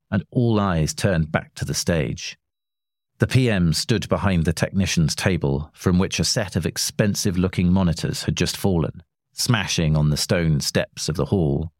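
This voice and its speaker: A man narrating a short story in a measured, wry way. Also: sits low, no room sound, clean studio sound.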